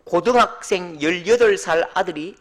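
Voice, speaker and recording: A male pastor preaching a sermon with animated storytelling, dropping to soft whispers for emphasis. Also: sits high, normal speed.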